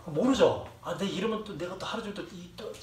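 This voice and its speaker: A young male teacher gives a loose classroom lecture, rambling off on tangents and swearing as he jokes with students. His voice sits a bit high. He sounds far from the mic in a roomy, echoing classroom with a faint hum of ambience behind him. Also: fairly quick. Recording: echoey room, distant mic, faint ambience.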